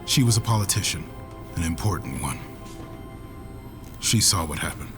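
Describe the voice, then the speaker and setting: A deep male voice in an audio drama, grave and guarded. He speaks in short, clipped phrases over clearly audible music. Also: lively intonation, normal speed. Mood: stern. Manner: terse, clipped. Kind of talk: audio fiction acting.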